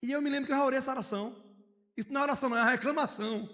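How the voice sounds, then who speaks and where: A man preaching a sermon as pastor, telling personal stories, moving between hushed storytelling and loud outcries. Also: very high voice, rapid-fire. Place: church hall. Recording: long reverb of a church hall.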